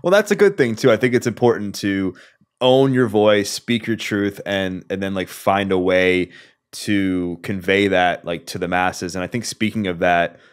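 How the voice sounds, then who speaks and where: A man in his thirties hosting a podcast interview, relaxed and casual with many filler words, on a studio mic. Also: low-pitched, normal speed, clear, resonant tone. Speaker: podcast host. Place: small room, video call. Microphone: studio mic on boom arm with headphones.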